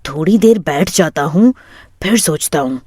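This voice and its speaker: A man's voice: on the high side, animated, moderate pace, a little mellow, husky, no room sound, voice pushed down. A woman storyteller playing a naive, stubborn disabled village boy who talks in earnest, plain musings. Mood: pondering.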